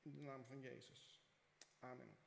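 A male pastor preaching in a church. He reads the scripture aloud with feeling and prays quietly, with some hesitations. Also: mid-range voice, little pitch movement, a little slow, gravelly, a little hiss or hum. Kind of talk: sermon with scripture reading and prayer. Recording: echoey church hall.

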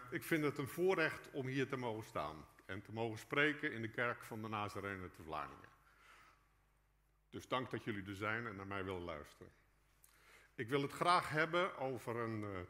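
A man delivers a sermon from a prepared text in a church, speaking in an earnest, measured way with rhetorical questions. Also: medium pitch, sing-song, sharp tone. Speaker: preacher, guest speaker in a church. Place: large church hall, indoors. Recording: echoey church hall with long reverb.

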